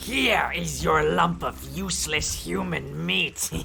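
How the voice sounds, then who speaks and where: Over loud music in the background, a man uses a put-on character voice with a very deep, low pitch at a fairly slow pace. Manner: broken grammar, gleeful.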